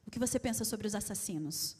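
A woman interpreting a guest speaker's talk live in a large church, relaxed and quick to laugh. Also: medium pitch, slightly rough. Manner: laughs easily, relaxed and conversational. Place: large church auditorium with an audience. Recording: long hall reverb.

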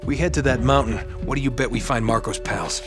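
An actor with an American accent playing a wisecracking, cocky and curious adventurer in a video game, conversational and casual. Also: male voice, mid-range voice, fairly quick, over music, natural voice. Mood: curious, wry. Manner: wry, casual. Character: wisecracking young male treasure hunter, cocky and curious. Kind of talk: cinematic game acting, conversational.

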